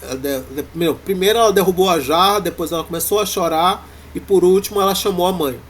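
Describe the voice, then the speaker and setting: A man with a Brazilian Portuguese accent, teaching a university Greek class in a halting way, full of fillers and restarts. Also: high-pitched. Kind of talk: classroom lecture.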